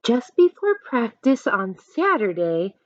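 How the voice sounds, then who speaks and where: Female elementary teacher, animated read-aloud with plain asides to children. Very varied pitch, unhurried delivery. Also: no echo, highs cut off. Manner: explains simply, addressing young listeners directly.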